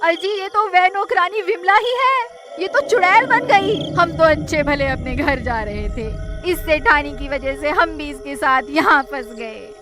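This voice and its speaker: Whiny scared wife woman voicing, really high voice, cartoon, music in back. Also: unhurried, few pauses. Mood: pleading. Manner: complaining, pleading. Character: fretful complaining village wife Rekha.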